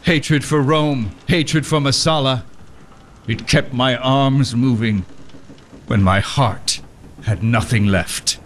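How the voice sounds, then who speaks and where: Man as a slow, solemn, embittered slave narrator. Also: mid-range voice, slight background noise, close to an everyday voice. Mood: grim, vengeful. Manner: solemn, deliberate, with weighty pauses. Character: embittered enslaved man recounting his suffering, solemn. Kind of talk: dramatic first-person narration.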